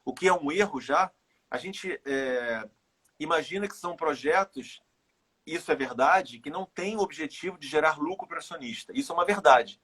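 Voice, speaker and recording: A middle-aged man with a Carioca Brazilian accent, talking as a guest in a casual live chat, reflective and halting, repeating words as he thinks. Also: on the high side, a bit bright, husky. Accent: Carioca Brazilian Portuguese. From Rio de Janeiro, Brazil. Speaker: guest, runner and author.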